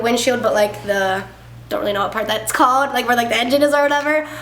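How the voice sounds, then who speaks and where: With an American accent and an animated tone, a woman speaks at a high pitch with ordinary pitch variation, amid noticeable background noise and audible room echo. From Ohio, US Midwest. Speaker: YouTube vlogger. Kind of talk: casual chat.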